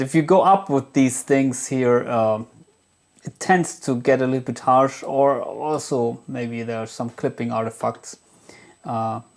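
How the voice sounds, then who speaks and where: A man presents gear in a casual, unscripted demo style at a medium pitch. He speaks haltingly and hesitantly, thinking aloud as he goes, with guitar music clearly present in the recording. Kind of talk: casual product demo talk.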